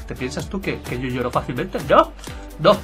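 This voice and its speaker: Excitable young gamer, high voice. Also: male voice, moderate pace. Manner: excitable, swears, talks to viewers as chicos. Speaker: gameplay commentator. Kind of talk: casual gaming commentary. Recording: game music playing loudly behind.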